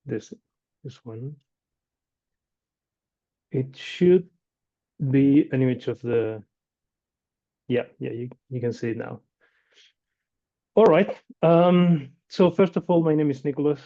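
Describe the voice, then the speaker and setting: A man from Chile, in his forties, presents his invention to an online audience. His voice is deep-toned and mellow, the talk easygoing and full of hesitations. The sound comes through a dull, lo-fi video call. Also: takes it slowly, long pauses. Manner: conversational, with frequent fillers and restarts. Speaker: inventor and company founder presenting. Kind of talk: webinar presentation.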